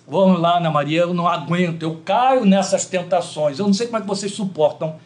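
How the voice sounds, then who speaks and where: A man's voice: high-pitched, a little fast, darkish tone. A Brazilian man preaching a sermon with a slightly cracked voice, emotional and chatty, with asides to the congregation. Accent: Brazilian Portuguese. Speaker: pastor.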